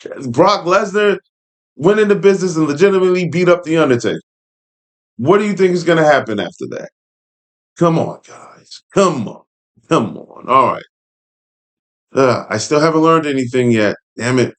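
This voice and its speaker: Hosting a laid-back read-along, this man reads an article and throws in opinionated, informal commentary and side remarks. His voice is on the high side and animated, moving at a moderate pace with long pauses.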